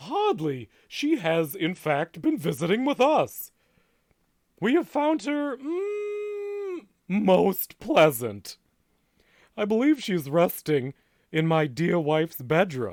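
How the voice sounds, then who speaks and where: Putting on a character voice, a man speaks at a high pitch and a very slow pace. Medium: read story. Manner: smooth, courtly, faintly menacing.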